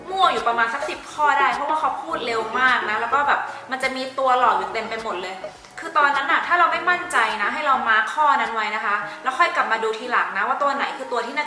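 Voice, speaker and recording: A young adult woman giving study tips in a casual tutorial vlog, chatty, with frequent soft polite sentence endings. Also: high voice. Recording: roomy echo with faint background music.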